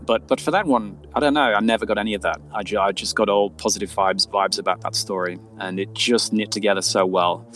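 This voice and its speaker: A man's voice: on the low side, a little fast, hardly any pauses, a bit bright. A man speaking as a writer being interviewed, chatting casually in a hesitant, self-effacing way and often repeating his words. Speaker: interviewed guest, fiction writer.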